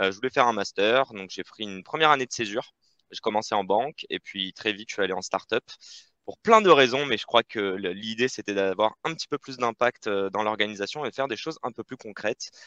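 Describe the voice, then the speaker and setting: Over a quiet background, a man talks fairly quickly at a medium pitch with ordinary pitch variation, a bright, sharp tone and big swings in loudness, in a dry, close sound with no echo. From Paris, France. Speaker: sales operations professional and podcast host. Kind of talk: interview.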